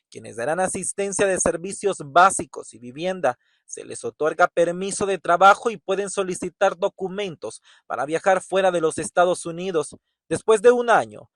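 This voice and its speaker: Male reporter, bright high register, steady scripted voice-over. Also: no room sound. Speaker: news reporter.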